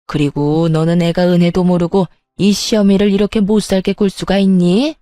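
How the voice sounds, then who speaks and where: A woman's voice: lowish voice, fairly even intonation, moderate pace, warm tone, no room sound, clean studio sound, natural voice. A woman voicing a greedy, self-righteous middle-aged mother-in-law who scolds in an entitled way. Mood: scolding entitled.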